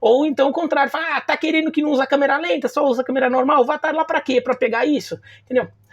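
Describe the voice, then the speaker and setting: Someone talks at a very fast pace in a São Paulo accent. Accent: São Paulo accent, noticeable. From Brazil, São Paulo state. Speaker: football commentator, sports journalist. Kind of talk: casual vlog commentary. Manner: halting, many repetitions and fillers.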